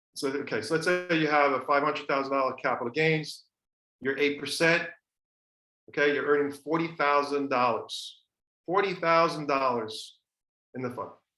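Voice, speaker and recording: Bright and sharp in tone, a man speaks in a fairly high pitch with fairly even intonation and long, frequent pauses. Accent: New Jersey. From New Jersey. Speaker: investment fund presenter. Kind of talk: webinar presentation. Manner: fast talker.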